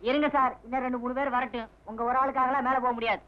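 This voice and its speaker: A woman's voice: sits high, steady tone, rapid-fire, noisy background, close to an everyday voice. A woman playing a cheeky lift operator. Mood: teasing. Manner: cheeky, teasing. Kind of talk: Tamil film comedy acting. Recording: dull lo-fi film soundtrack.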